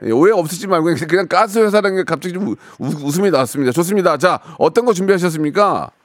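A man's voice: high-pitched, rapid-fire, no echo. A male radio host chatting casually and teasingly with callers. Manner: joking, rambling, teasing.

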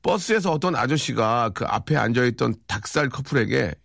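A man's voice: mid-range voice, expressive, a little fast, gravelly, a bit bright, no echo. A man hosting a radio show in a studio, chatting playfully and rambling through listener messages with many fillers. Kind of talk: casual radio chat reading listener texts.

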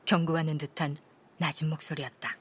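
A woman reads a detective novel aloud as an audiobook narrator, calm and even. Her voice is a little low and slightly husky. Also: brisk.

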